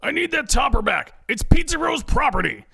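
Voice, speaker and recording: Frustrated male delivery driver for a story, acted by the male narrator, higher-pitched, urgent delivery. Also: sing-song, brisk, gravelly, fairly bright tone, husky, no echo, clean studio sound, heavily acted. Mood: angry. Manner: urgent, emphatic.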